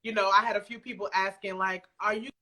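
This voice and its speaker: Bright-voiced woman, emphatic and casual. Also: mid-range voice, steady tone, fast. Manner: emphatic, slangy, playful. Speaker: guest, audio drama creator. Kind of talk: casual conversational interview.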